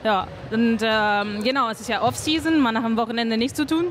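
Soft-spoken Italian-accented young woman. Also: a little high, steady tone, soft background music. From Sardinia, Italy. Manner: soft-spoken, halting, often says "genau". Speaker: basketball player, interview guest. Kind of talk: casual interview answers. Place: indoor studio in front of a sponsor wall. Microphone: handheld mic held out by the interviewer.

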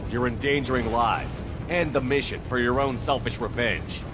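A man's voice: medium pitch, normal speed, lightly acted. An actor playing a stern, principled male military commander in a video game, speaking firmly and with measure. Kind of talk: cinematic video game acting. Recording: dramatic music behind the voice.

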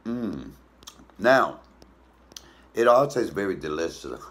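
A man's voice: deep voice, big pitch swings, slow, a bit bright. A man in his fifties talking casually on camera while chewing a mouthful of food, blunt and profane. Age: 50s. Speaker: mukbang vlogger. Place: indoors in front of a green wall.

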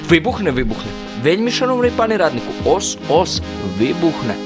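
A naive, good-natured soldier in a radio play, with music behind him. His pitch swings very widely as he rambles on. He is folksy, chatty and endlessly deferential. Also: big pitch swings, fairly quick. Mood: innocently cheerful. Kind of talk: radio drama acting.

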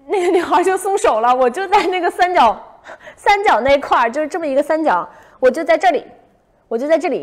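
A young woman hosts a casual livestream, animatedly telling a story and acting out shouts from her own past. Her voice is high-pitched.

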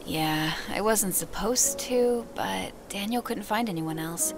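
A woman's voice: mid-range voice, slow, over music, close to an everyday voice. A young woman playing a tired, reserved student who works late, speaking in a subdued, polite, hesitant way in an audio drama. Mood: weary, unsure. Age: young adult.

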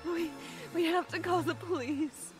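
A woman's voice: extremely high pitch, unhurried, over music. An actress playing a terrified young woman who has escaped a killer, crying and frantic.

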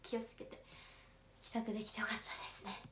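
A woman's voice: a little high, little pitch movement, fast talker, fairly bright tone. Kansai teen girl reading fan comments on her stream, kinda echoey room, faint noise in the back. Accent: Kansai Japanese. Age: late teens. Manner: chatty, reads viewer comments aloud and answers them politely. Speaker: idol audition candidate livestreaming to fans. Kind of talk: casual livestream chat. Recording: roomy, faint background noise.

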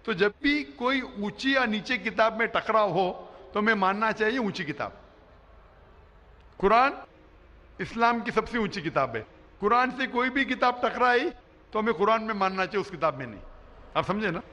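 A man's voice: high-pitched, expressive, moderate pace, long pauses, pushed and bright. A middle-aged man preaching to a large crowd on an arena stage, explaining points emphatically into a stand microphone and often checking that listeners understand. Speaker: Islamic preacher answering audience questions. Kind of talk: public question-and-answer lecture. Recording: long hall reverb.

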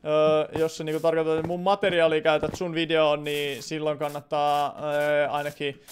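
A man's voice: fairly high pitch, monotone, a little hiss or hum. A man doing live gameplay commentary on a stream, rambling and chatty, answering viewer comments with sudden startled outbursts.

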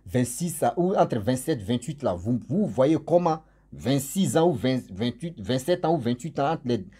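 A man's voice: mid-range voice, sing-song, measured pace, mellow, husky. A man telling a story casually, with chatty, jokey asides to his listeners.

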